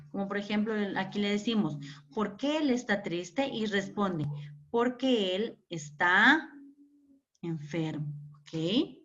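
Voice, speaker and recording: A woman teacher takes her class through a lesson at an unhurried pace. She repeats each word, quizzes her pupils and praises their answers, in a mid-pitched voice. The recording sounds dull and lo-fi. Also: fairly bright tone. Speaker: English teacher.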